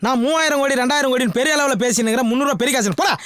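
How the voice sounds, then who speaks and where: An actor playing a boastful, blustering comic character in Tamil film dialogue. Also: male voice, very high voice, rapid-fire, a bit bright, no room sound. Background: film score music.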